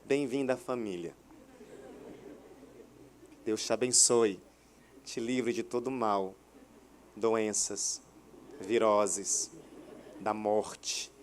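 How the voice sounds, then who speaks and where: A man in his thirties preaching a sermon at a church service, animated, acting out quoted dialogue. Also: on the low side, drawn-out words, long pauses, a little hiss or hum. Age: 30s. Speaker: pastor. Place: hotel auditorium church service.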